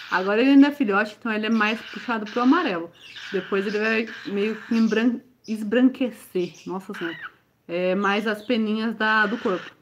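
A woman with a Brazilian accent hosting a casual livestream as a bird breeder, answering viewer questions one after another. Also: mid-range voice. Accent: Brazilian Portuguese. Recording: slightly dull livestream audio, faint noise.

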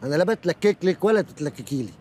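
A defensive, melodramatic man in Egyptian Arabic. His voice is husky and his words tumble out fast. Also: on the high side, expressive, a little mellow. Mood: indignant. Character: touchy, dramatic man walking out on his partner.

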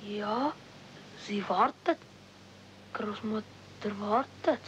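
A woman's voice: medium pitch, slow pace, a bit bright. A woman playing an earnest, stubborn little mountain girl in a radio play, childlike and plaintive, in Swiss German. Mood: anxious. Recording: muffled, noisy old 1970s audio play recording.

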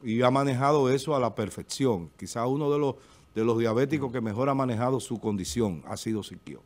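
A man's voice: mid-range voice, brisk, a little mellow. A middle-aged man with a Dominican accent, giving emphatic political commentary as a TV panelist at a desk microphone. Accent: Dominican Spanish. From Dominican Republic. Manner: emphatic, gestures with hands, repeats filler eh. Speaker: panelist on a local TV talk show. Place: TV studio. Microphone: desk studio microphone.

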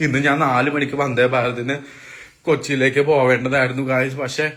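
A man's voice: medium pitch, little pitch movement, fairly quick, fairly bright tone. A young man chatting casually and teasingly to viewers on a live stream from an apartment, talking into a phone. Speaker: vlogger doing a live stream. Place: apartment indoors.

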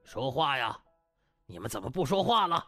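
男人演绎的严厉训人的老院长，起伏很大. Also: male voice, medium pitch, very animated, sharp tone, no room sound, faint music behind. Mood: scornful, angry. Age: older. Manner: slow drawn-out scolding, rhetorical questions. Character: stern disappointed old male hospital director, scolding, contemptuous.

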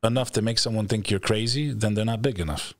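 A man's voice: on the low side, quick pace, no room sound, studio quality. A middle-aged man hosting a show, talking in a blunt, emphatic, profane motivational style, repeating phrases for weight. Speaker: show host. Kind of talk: motivational interview talk. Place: indoor studio setup, video call. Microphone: close studio microphone on stand.

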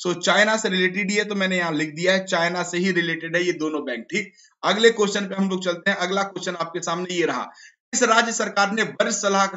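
A hoarse man teaching a live online exam-prep class, quizzing students and repeating each answer. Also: high-pitched, bright, forceful tone. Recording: dull lo-fi stream audio.

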